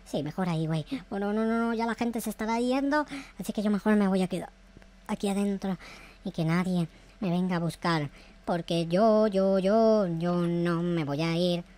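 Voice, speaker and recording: A man playing a naive, panicky noob game character in excited, repetitive roleplay commentary. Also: high-pitched, moderate pace, close to an everyday voice. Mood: excited, curious. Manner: frantic, repetitive, exclamatory. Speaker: gaming video creator. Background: faint music.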